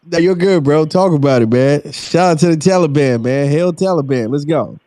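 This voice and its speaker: A man in a live audio room speaking loudly and mockingly, with a slangy tone. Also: on the high side, moderate pace, no room sound, studio quality. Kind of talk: rowdy casual chat.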